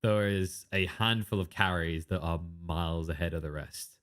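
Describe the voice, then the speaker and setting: A man's voice: low-pitched, a bit bright, smooth. A man casting a live esports match, chatting loosely with a co-caster and trailing off into asides. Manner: chatty, quick asides, filler-heavy. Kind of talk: live game commentary.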